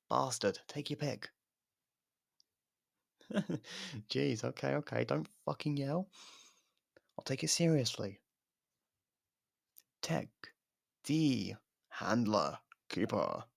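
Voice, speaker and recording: A man playing a guarded, sarcastic, foul-mouthed convicted murderer in an ASMR roleplay audio drama, with a gravelly, creaky voice. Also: mid-range voice, lively intonation, slow, pauses often, no room sound, clean studio sound, heavily acted. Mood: sardonic needling. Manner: sardonic, foul-mouthed, needling.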